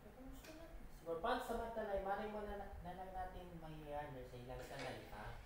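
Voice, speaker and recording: A Filipino woman rambles casually with a lively, swooping voice that sits a little low. She is halting and repeats herself, slipping between Tagalog and English. The sound is heavily echoey, with clear noise around her. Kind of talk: casual rambling chat while driving. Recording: very echoey, distant mic, noisy background.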